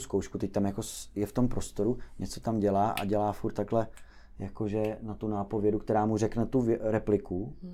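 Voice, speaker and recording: A man speaks at a moderate pace with a fairly low pitch. His tone is dark and mellow, and his intonation fairly even. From South Moravia, Czechia. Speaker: actor. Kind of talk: casual chat.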